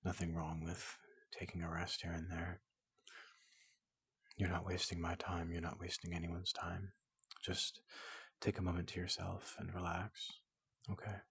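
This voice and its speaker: A person softly voicing a large, gentle robot doctor in an ASMR roleplay, often whispering, speaking slowly and haltingly to reassure a patient. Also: sits low, completely flat delivery, slightly rough, no echo. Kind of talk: soft-spoken ASMR roleplay.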